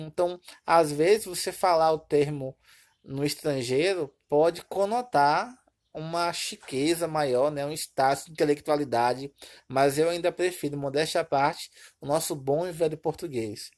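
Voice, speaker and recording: A woman's voice: low-pitched, measured pace, darkish tone. A woman from Brazil teaching a recorded Portuguese lesson, explaining step by step and often checking in with her students. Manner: explanatory, repeats points with "tá bom?" checks.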